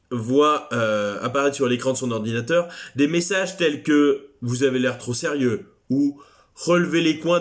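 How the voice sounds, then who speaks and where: A man teaching a recorded French class lesson, chatty and digressive, with self-deprecating asides. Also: mid-range voice.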